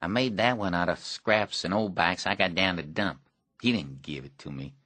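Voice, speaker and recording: A man's voice: low-pitched, normal speed, pushed and bright, no echo. A man voicing a neglected, bitter rural teenage boy with a blunt, grim drawl.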